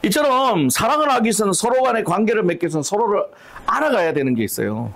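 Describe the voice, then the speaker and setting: A man leading a church Bible study, animated, asking rhetorical questions and acting out everyday examples. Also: sits high, quick pace, gravelly, a little hiss or hum.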